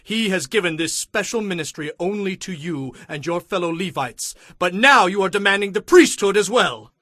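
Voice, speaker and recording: Moses, bright, forceful high-voiced prophet. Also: male voice, lively intonation, normal speed, no room sound, studio quality. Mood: indignant. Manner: emphatic, commanding, declamatory. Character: Moses, stern, indignant Hebrew prophet and leader. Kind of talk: dramatized scripture acting.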